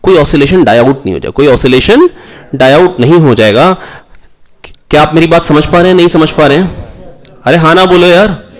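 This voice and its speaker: Male physics tutor, somewhat high voice, repetitive and coaxing, full of questions to the class. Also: brisk, long pauses. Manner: coaxing, repeats key points, calls students "beta"; asks rhetorical questions, prompts answers. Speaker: physics teacher. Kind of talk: online exam-prep lecture.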